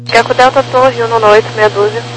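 A man speaking over a two-way radio in terse, rapid aviation phraseology. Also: very high voice, flat delivery, fairly bright tone. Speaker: air traffic radio user. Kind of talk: clipped aviation radio talk. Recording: noisy radio channel from far off.

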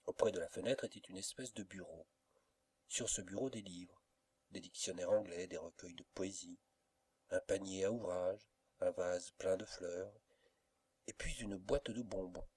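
A man narrating a classic novel as an audiobook, reading in a measured, steady way. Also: low-pitched, breathy edge. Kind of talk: scripted literary narration.

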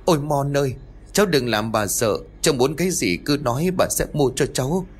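A man voicing a terrified old village woman who pleads and panics in a rushed, breathless way. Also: mid-range voice, lively intonation, slightly rough. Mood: pleading terror. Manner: frantic, pleading, breathless rush.

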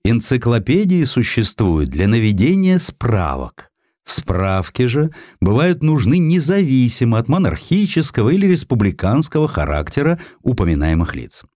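A man's voice: mid-range voice, very animated, normal speed, darkish tone, dry recording, studio quality, voice pushed up, natural voice. A man voicing an indignant, pedantic Soviet statesman in a formal, emphatic and rhetorical letter, in an audiobook. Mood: formal objection.

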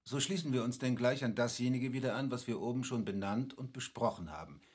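Learned captain played by a man, husky and measured. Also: mid-range voice, natural voice. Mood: patient, instructive. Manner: measured, didactic, formal. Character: learned, courteous captain patiently explaining, a cultivated man. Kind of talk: classic German radio play acting.

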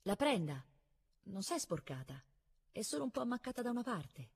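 A woman's voice: medium pitch, very animated, moderate pace, creaky, breathy edge, pitched above the performer's own voice, heavily acted. A woman reading aloud and voicing a proud, touchy young noble boy who speaks indignantly and boastfully.

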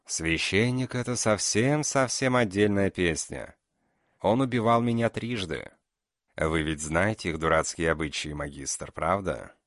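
A man's voice: low-pitched, unhurried, fairly bright tone, dry recording, studio quality. Man voicing a cold, mocking killer. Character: calm, mocking male killer called the beast.

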